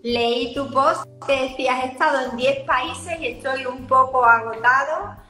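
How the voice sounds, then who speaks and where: Female host, friendly, a little high, echoey room on a video call. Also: measured pace, bright, forceful tone, soft background music. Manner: friendly and chatty. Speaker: host, interviewer. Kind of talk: casual interview over video call.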